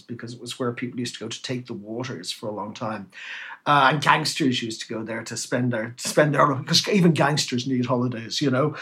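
A man's voice: medium pitch, fairly bright tone. A man, a novelist guest, speaking in a self-deprecating, anecdotal way with frequent restarts. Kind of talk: casual interview chat.

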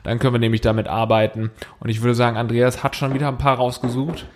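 A man co-hosting a casual comedy podcast, opening the show and cracking deadpan jokes. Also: medium pitch, fast, slight background noise. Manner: wisecracking, deadpan fake facts. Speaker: podcast co-host.

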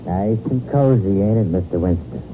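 An actor playing a menacing, vengeful American gangster in a 1940s radio crime drama, talking tough, slangy and taunting. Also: male voice, lowish voice, normal speed, background noise, lightly acted. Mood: taunting menace. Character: menacing, vengeful gangster racketeer, sneering and cocky. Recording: muffled vintage radio broadcast, loud music.

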